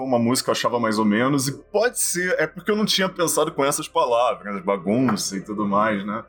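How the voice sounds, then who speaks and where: Brazilian man in casual game-review chat. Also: medium pitch.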